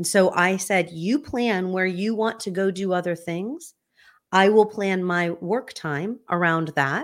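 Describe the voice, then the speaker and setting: A woman speaks in a normal speaking voice at a medium pitch and a fairly slow pace. Her pitch varies in an ordinary way, and the recording is very clean with a silent background. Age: 50s. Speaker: podcast co-host and coach. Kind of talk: casual chat.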